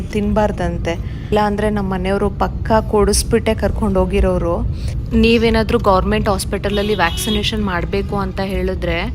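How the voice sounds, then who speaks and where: A woman's voice: medium pitch, noisy background. A young woman, a new mother chatting through a casual vlog and mixing English words into her talk. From India.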